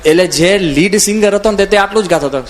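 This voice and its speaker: Male swami, storytelling sermon, somewhat high-pitched, animated anecdotal delivery. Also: fast talker, slight background noise. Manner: lively anecdotal, acts out quoted voices. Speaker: swami giving a religious discourse. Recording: audio from a CD recording.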